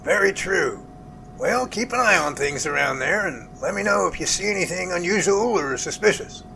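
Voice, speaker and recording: A man playing a jovial, earnest research professor in an amateur audio drama, with animated, folksy phone talk. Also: high-pitched, moderate pace, vocal fry, slight background noise, full character voice, rough recording. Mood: thoughtful.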